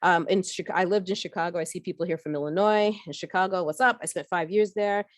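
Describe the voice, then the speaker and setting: A woman's voice: fairly low pitch, steady tone, quick pace, no room sound, clean studio sound. A middle-aged woman from Barbados giving a conversational workshop talk about her background, with frequent fillers and restarts. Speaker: workshop speaker.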